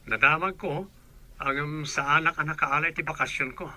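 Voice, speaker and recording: A man's voice: on the high side, normal speed, pushed and bright. A man voicing an easygoing young man who works far from home, in a radio drama.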